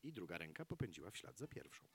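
A man narrating a fairy tale theatrically and deliberately, with strong swings between hushed and loud delivery. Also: deep voice, big pitch swings, breathy edge. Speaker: storyteller in a performed concert radio play. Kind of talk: dramatic fairy-tale narration, live storytelling. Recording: live concert with loud music. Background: loud live instrumental music.

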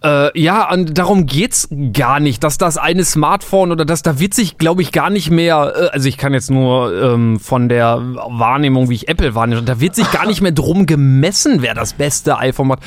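Hesitant man, fairly high voice, podcast chat. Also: moderate pace, few pauses, dry recording, clean studio sound. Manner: hesitant, searching for words, curious questions. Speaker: podcast co-host.

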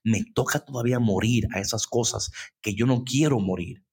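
A man in his late forties sharing about faith in a casual conversation, animated and slipping into English phrases. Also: mid-range voice, normal speed. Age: late 40s. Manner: animated, switches into English, acts out prayers.

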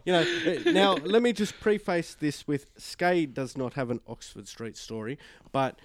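Male podcast host, crude banter, medium-pitched voice. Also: very animated, measured pace, a crowd in the background. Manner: joking, crude, banters and teases. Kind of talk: casual podcast chat.

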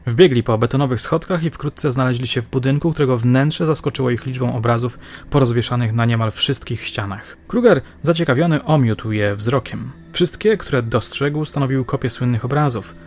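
A man's voice: medium pitch, moderate pace, few pauses, a little mellow. Man narrating a crime audiobook. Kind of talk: scripted narration.

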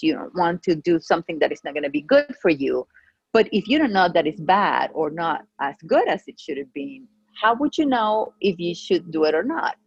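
A middle-aged woman whose first language is Spanish, a pharmacist guest telling stories in an animated way with many restarts, on a remote call. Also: fairly low pitch, husky, dry recording. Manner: animated storytelling with frequent restarts. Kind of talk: casual conversational interview. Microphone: remote call microphone. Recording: dull lo-fi call audio.

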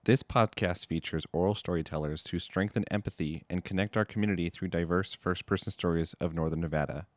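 A man opens a storytelling podcast with a scripted introduction. He reads in a measured, even way, and his voice sits very low. The recording is close and dry. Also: no room sound. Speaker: podcast host.

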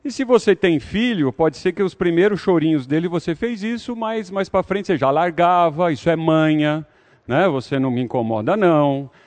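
A man's voice: on the high side, animated, normal speed, a little mellow. A man leading an interactive Bible study, talking conversationally and putting questions to the audience.

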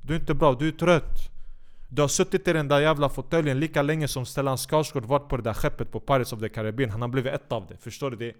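A man's voice: medium pitch, fairly even intonation. A man delivering a heated, profane rant, sarcastic and scolding as he talks straight at the people he is attacking. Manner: angry, sarcastic, scolding, swears a lot. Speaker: commentator.

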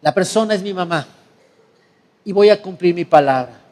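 A man's voice: sits high, normal speed, darkish tone, close to an everyday voice. A man voicing a stern but loving island tribal chief who makes firm, solemn proclamations.

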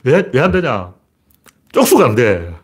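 A man's voice: medium pitch, huge pitch swings, a little slow, breathy edge. A man giving casual political commentary in a sarcastic, mocking way, with scoffing asides and emphatic rises to drive his points home.

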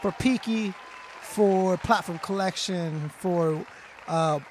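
A man's voice: high voice, slow pace, a faint crowd, a little hiss or hum. A man hosting a casual podcast, jokey and hyped. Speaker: podcast host.

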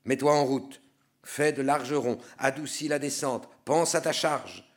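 A man voicing a wise elder male poet guide in a stage reading, urging his companion on in a measured, firm way. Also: on the low side, animated. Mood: commanding.

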